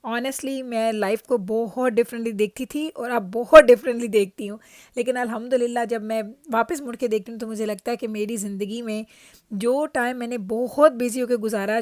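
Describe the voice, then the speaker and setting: A woman's voice: a little high, fairly even intonation, a little fast, no room sound, clean studio sound. A middle-aged woman with a Pakistani accent gives a chatty, reflective vlog voice-over, mixing in English phrases. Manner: conversational, mixes in English phrases. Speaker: family lifestyle vlogger.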